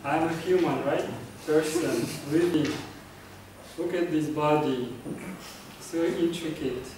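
A man from Kazakhstan, his pitch fairly high, takes his time through a sincere prepared club speech, with background noise behind him. Fillers often mark his restarted phrases. A faraway camera records the echoing meeting room.

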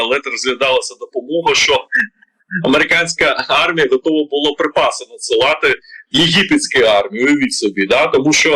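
A man with a Ukrainian accent delivering heated political commentary. His voice is bright and forceful, and he keeps firing indignant rhetorical questions between hesitant filler sounds. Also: a little high, breathy edge, poor audio.

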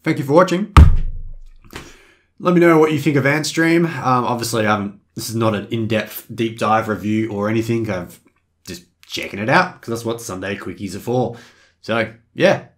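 A man's voice: medium pitch, moderate pace, a bit bright. A hungover man giving loose, rambling, joking, self-mocking casual commentary as he hosts a video game review.

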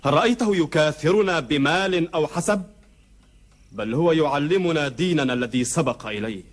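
An actor playing a steadfast, principled middle-aged tribal chieftain in a historical epic drama, admonishing firmly in declamatory formal Arabic. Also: male voice, on the high side, a little fast, close to an everyday voice. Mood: firm reasoning.

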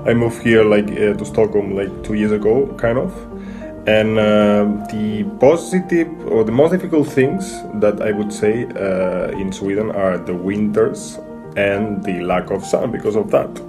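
A young man from Spain speaking in a relaxed, loose way with casual fillers, filmed at a desk by a window. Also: lowish voice, measured pace, music in the background. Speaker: interviewee, expat. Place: room by a bright window.

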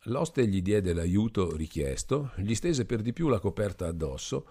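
A man reading a classic novel aloud as narrator, in measured, expressive storytelling. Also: lowish voice, husky.

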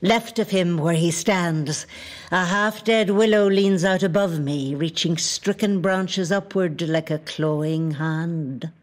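An actress with a Northern Irish accent playing an ancient, watchful lake spirit in a literary audio drama, speaking in measured, hushed poetry. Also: female voice, medium pitch, natural voice. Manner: measured, hushed, poetic storytelling. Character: ancient female spirit of a wild mountain lake, watchful, possessive.

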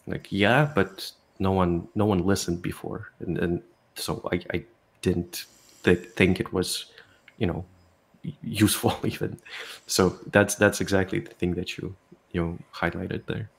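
A man with a low voice and plenty of vocal fry. He chats casually on a video call, feeling his way through sentences and repeating words as he thinks. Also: fairly even intonation, unhurried. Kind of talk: casual discussion.

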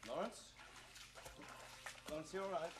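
An actor playing an exasperated, bossy young doctor who orders others about in a sitcom. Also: male voice, a little high, fairly even intonation, measured pace, natural voice. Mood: impatient. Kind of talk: 1970s television sitcom acting. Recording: very noisy old TV recording.

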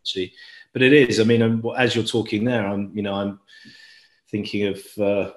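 A man in his forties talking reflectively and haltingly as an interview guest, repeating phrases for emphasis. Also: lowish voice, flat delivery. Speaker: interview guest, squash coach. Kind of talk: conversational interview. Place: indoor room at home, on a video call. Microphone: video call. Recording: roomy, echoey video call.

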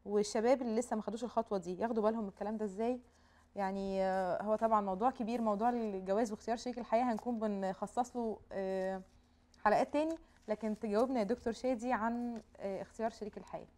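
A woman with an Egyptian Arabic accent hosting a live talk show, taking calls and moderating briskly. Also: medium pitch, steady tone, darkish tone.

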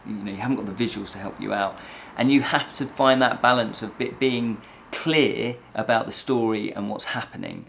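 A man's voice: on the low side, creaky. A middle-aged man giving a casual, rambling review to camera, often repeating and rephrasing himself. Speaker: host of a fantasy review show. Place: small indoor set with draped backdrop.

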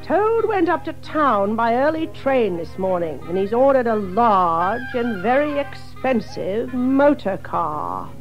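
Casting: excitable water rat, very high-pitched, bossy, indignant, for children's audio drama. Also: male voice, slow pace, few pauses, lo-fi sound, faint music behind, exaggerated voice. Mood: brisk, gossipy. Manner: indignant, blustering, emphatic British exclamations. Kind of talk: full-cast children's audio drama acting.

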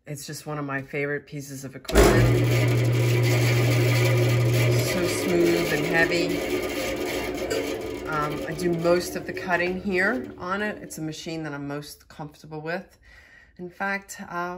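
She talks in a lowish voice, a little slow, pausing often. The speaker is a middle-aged artist from Philadelphia, United States, with a Philadelphia American accent, chatting away as she explains things during an informal tour of her studio.

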